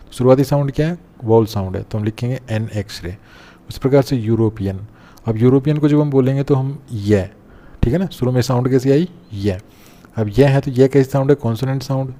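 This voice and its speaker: A young man teaches a grammar lesson in a patient, step-by-step way. His voice is mellow and relaxed at an ordinary middle pitch. He keeps pausing to check that his students are following. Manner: explains step by step, often checks with "theek hai na". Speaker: English teacher. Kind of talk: classroom-style grammar lesson.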